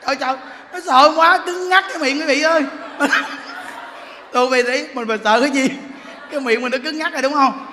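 Animated high-voiced monk telling ghost stories. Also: male voice, fairly quick, pauses often, in a large hall, slight background noise. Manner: animated, laughing, acts out frightened cries. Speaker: Buddhist monk teacher. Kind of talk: storytelling dharma talk. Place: temple hall.

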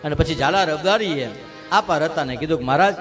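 A man telling a devotional story as a sermon, dramatic and lively. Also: fairly high pitch, fairly quick, over music. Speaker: religious storyteller.

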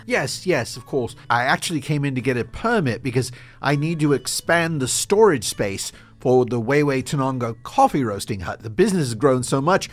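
Radio drama role: male actor as mild, polite small-town businessman, hesitant, very lively intonation. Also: medium pitch, normal speed, few pauses, lightly acted.

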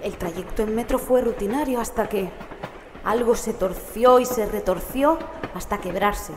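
A woman's voice: medium pitch, a little slow, a little mellow, lightly acted. A woman playing the uneasy narrator of a horror tale, reading in a dramatic first-person audiobook style. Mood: uneasy, measured. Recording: echoey, clear train ambience noise behind. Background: metro train ambience.

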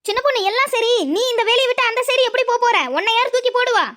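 A wary village woman in a cartoon who scolds and frets, as a woman voices her. The voice sits very high and sounds bright. She speaks fast. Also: steady tone. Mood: scolding, wary. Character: wary, scolding village woman Shanthi, elder sister type. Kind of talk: Tamil cartoon dub.

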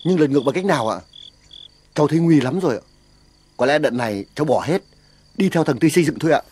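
A man's voice: a little high, lively intonation, quick pace, darkish tone, slightly rough. An actor playing a deferential, worried young village man who speaks politely in a TV drama. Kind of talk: TV drama acting.

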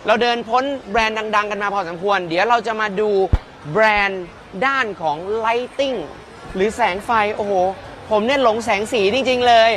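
A man's voice: high-pitched, moderate pace, a little hiss or hum. Joking male host touring a busy expo. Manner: lively, joking, exclaiming often. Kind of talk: live walkaround presenting. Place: busy indoor exhibition hall. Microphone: handheld mic, filmed by a roaming camera.

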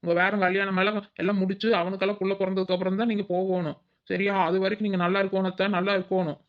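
A woman's voice: medium pitch, level tone, racing, lo-fi sound, close to an everyday voice. A woman voicing a lazy, cheeky young village daughter-in-law in a cartoon, dodging cooking with sly excuses. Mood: pleading. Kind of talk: village cartoon comedy acting.

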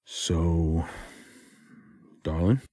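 An actor playing a protective, defiant yet tender male spy in an intimate audio drama, with a husky voice. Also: deep voice, very slow, dark tone, no room sound, clean studio sound, exaggerated voice. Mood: wry, resolved.

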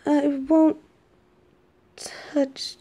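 A woman acting a slow-spoken, intense mafia boss girlfriend. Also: high-pitched, flat delivery, warm tone, heavily acted. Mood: panicked, pleading. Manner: swings between cold threats and tender pleading. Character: menacing, possessive female mafia boss, doting girlfriend. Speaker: voice actor in audio roleplay. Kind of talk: intimate scripted girlfriend audio roleplay. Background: background music.

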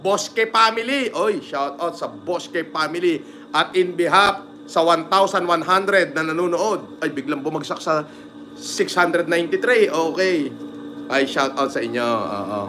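A man with a Batangas Tagalog accent hosting a livestream, giving shout-outs and reading viewer comments in a crude, teasing manner. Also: fairly high pitch, animated, a little slow. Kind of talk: casual livestream chat.

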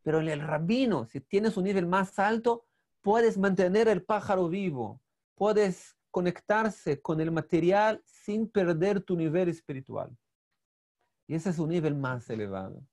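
Male rabbi, Portuguese first language, halting, searching for words, fairly high gravelly voice, video call. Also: expressive, a little mellow. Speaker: rabbi teacher. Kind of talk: online storytelling lesson.

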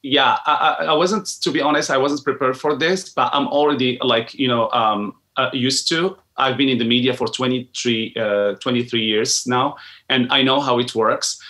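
Guy reporter, 40s, video call from home, bright tone, keeps restarting. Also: medium pitch, fairly even intonation, normal speed. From Morocco. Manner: hesitant, many restarts and fillers. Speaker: entertainment reporter. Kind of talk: casual interview answers. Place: home room with a painting behind.

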